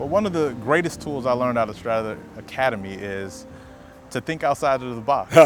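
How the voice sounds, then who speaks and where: Music plays in the background as a man with an American accent speaks at a fairly quick pace. His pitch is medium and his intonation lively. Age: 20s. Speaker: real estate student. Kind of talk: interview.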